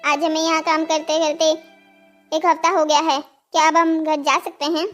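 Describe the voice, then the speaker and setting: Very high, earnest young boy voiced by a woman. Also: level tone, normal speed, a bit bright, faint music behind. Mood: remorseful, earnest. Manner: polite, earnest. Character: naive, dutiful, remorseful young boy. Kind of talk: scripted cartoon story dialogue.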